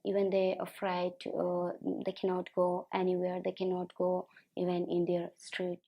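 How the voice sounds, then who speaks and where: A twenty-one-year-old woman from Afghanistan, a singer giving a halting personal account full of filler pauses. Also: on the low side, monotone, dark tone. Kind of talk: personal testimony interview.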